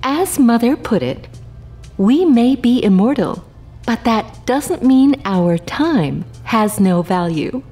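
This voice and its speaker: Husky, slow, genteel celestial envoy. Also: female voice, on the high side, animated, warm tone, faint music behind, full character voice. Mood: politely cutting. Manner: sweetly condescending, polite, unhurried. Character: genteel, passive-aggressive female immortal envoy of a heavenly mount. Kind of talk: audio drama acting.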